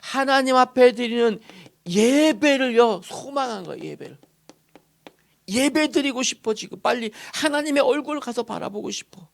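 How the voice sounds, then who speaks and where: A male pastor preaching a sermon in a church, posing questions to the congregation and answering them himself, moving from loud emphasis to soft murmurs. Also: very high voice, animated, normal speed, vocal fry. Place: church sanctuary.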